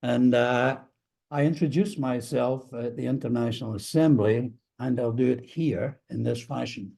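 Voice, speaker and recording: A man's voice: medium pitch, normal speed, creaky, dark tone, breathy edge. An older man from Scotland with a Scottish accent, giving a speech to a club meeting with dry, wry humour. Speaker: district governor, guest speaker.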